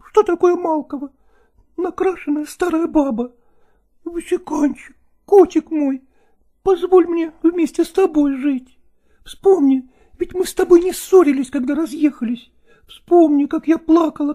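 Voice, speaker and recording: A man's voice: very high-pitched, warm tone, pitched above the performer's own voice. A man reading aloud, voicing a young actress who pleads tearfully and passionately with her lover.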